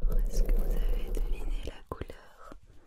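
A soft-spoken woman whispers at a moderate pace. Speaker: ASMR creator. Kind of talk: soft-spoken ASMR chat. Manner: soft intimate ASMR whisper. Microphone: studio mic.

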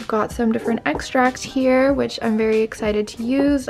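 A woman's fairly high-pitched voice at a fairly quick pace, ordinary pitch variation, noticeable background noise. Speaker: vlogger. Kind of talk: casual talk to camera. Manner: upbeat.

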